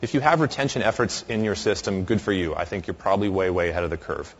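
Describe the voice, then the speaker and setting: Deep-voiced man giving a conference talk. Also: fast talker, dull audio. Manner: conversational with frequent fillers and restarts. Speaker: conference speaker. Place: large hall.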